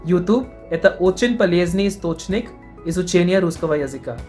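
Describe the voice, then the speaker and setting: A man's voice: high voice, lively intonation, fairly quick, a little mellow, faint music behind. A man from India with an Indian accent, a guest answering interview questions carefully in a language he has learned. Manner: careful, thoughtful, a little formal. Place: online call.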